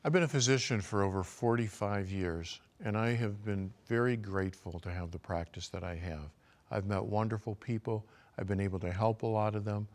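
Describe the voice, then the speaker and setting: An older man, a physician, giving a calm, measured health lecture and guiding listeners through self-assessment questions. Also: fairly low pitch.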